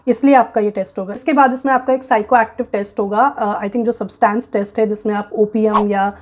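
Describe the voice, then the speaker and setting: A woman's voice: mid-range voice, fairly even intonation, a little fast, a little hiss or hum. A woman with an Indian accent giving an informal explainer to viewers, frank and emphatic, slipping English phrases into her explanations. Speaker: presenter of a job recruitment guide.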